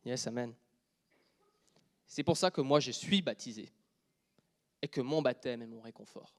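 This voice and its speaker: A man with a Quebec French accent preaching a sermon, dropping to a near whisper and then joking loudly with the congregation. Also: mid-range voice, a little slow. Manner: shifts from quiet intimate speech to loud joking with the congregation.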